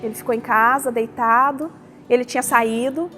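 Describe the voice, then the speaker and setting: A woman pastor with a São Paulo Brazilian accent tells her personal story in a high voice. She acts out conversations and prayers as she goes. Soft music plays faintly under her words. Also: steady tone, normal speed. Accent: São Paulo state Brazilian Portuguese. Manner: storytelling, acting out dialogue and prayers. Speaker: pastor giving a testimony. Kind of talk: personal testimony.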